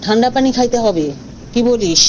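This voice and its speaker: Woman as a very high-voiced excitable cartoon boy. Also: brisk, a little hiss or hum, close to an everyday voice. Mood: curious, suspicious. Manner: colloquial, urgent, dramatic. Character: excitable, suspicious, stubborn young cartoon boy. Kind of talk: animated cartoon dubbing. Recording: dull audio with faint background music.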